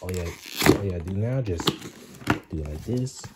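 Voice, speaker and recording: A man hosting a casual unboxing vlog, talking haltingly with many repeated words and fillers. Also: low-pitched, expressive, very noisy. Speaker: vlogger.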